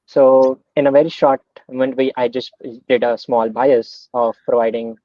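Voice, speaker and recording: A man's voice: medium pitch, normal speed, no room sound. A young man from India, a guest speaker talking casually on a video call with many filler sounds. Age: young adult. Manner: relaxed, many "um"s, explains with everyday examples. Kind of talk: casual online talk. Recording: dull lo-fi video call audio.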